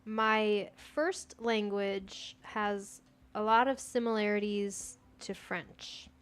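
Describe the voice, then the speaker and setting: In a smooth, mid-range voice, a young woman unhurriedly chats through her game stream, talking to herself and replying to viewer comments. She's from the United States, and Persian is her first language.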